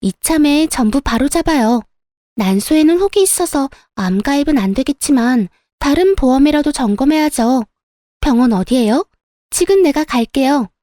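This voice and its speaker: A woman's voice: sits high, lively intonation, normal speed, mellow, no room sound, studio quality, pitched above the performer's own voice. A woman voicing a smug, pushy young woman who sells insurance, with a gloating, sing-song manner. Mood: eager.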